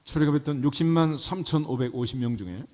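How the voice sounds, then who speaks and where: A man's voice: fairly high pitch, fast, darkish tone. A male pastor preaching a sermon, talking conversationally and tossing rhetorical questions to his congregation. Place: church sanctuary. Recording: reverberant church hall.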